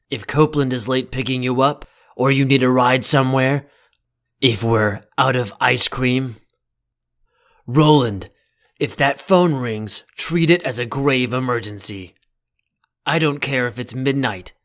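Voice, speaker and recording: A man playing a stern, protective young CEO in an audio drama, speaking formally and deliberately with a commanding manner. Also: mid-range voice, a bit bright, close to an everyday voice.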